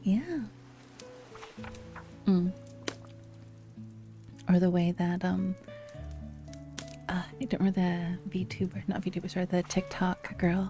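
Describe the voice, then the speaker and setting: A soft-spoken woman at a fairly low pitch, fairly slow in pace with long, frequent pauses, music in the background. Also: ordinary pitch variation. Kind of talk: ASMR livestream, casual talk to chat.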